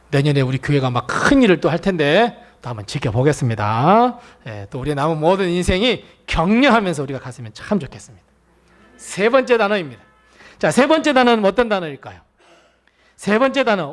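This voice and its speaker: Male preacher, high and very expressive, acting out quotes mid-sermon. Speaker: pastor.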